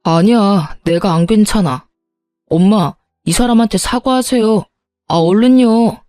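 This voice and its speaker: A woman's voice: medium pitch, measured pace, no echo, soft background music, natural voice. A woman voicing a hot-tempered young husband arguing with his parents in a narrated story. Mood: agitated. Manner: pleading then loud, insistent.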